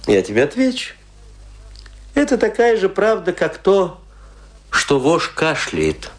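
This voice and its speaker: An actor playing a boastful, scornful provincial tragedian in a radio play, telling his tales theatrically with emphatic, pointed pauses. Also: high-pitched, wildly swooping pitch, heavily acted. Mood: scornful lament. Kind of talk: dramatic radio play monologue.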